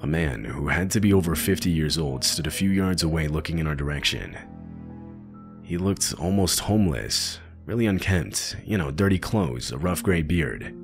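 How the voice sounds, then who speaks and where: Deep gravelly guy reading scary camp stories, slow and grave, soft music behind. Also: animated. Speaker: horror story narrator. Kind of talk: scripted narration.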